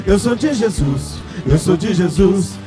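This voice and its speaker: Brief: Brazilian male worship leader, high voice, leading the congregation in song over a loud band. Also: lively intonation, unhurried, poor audio. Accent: Brazilian Portuguese. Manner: leads the congregation with call-outs between sung lines. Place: church sanctuary. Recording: loud band music under the voice. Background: live band music.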